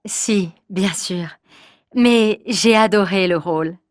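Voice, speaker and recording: A woman reads a scripted interview role for language learners, unhurried and deliberate. Her delivery is very slow, mid-pitched, and recorded dry and close. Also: no echo. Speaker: voice actor and title announcer.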